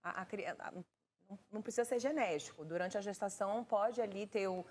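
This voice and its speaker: A woman's voice: medium pitch, fast talker, a little mellow. A woman hosting a TV interview, paraphrasing the guest and asking short follow-up questions. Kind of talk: interview questions and brief affirmations.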